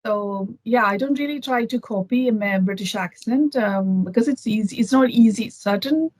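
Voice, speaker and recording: On a video call, an interview guest from Kerala chats in a relaxed, thoughtful way, her Indian-accented speech full of fillers and restarts. She sounds slightly high and a bit mellow, at a moderate pace. There's no room sound, and the audio quality is low.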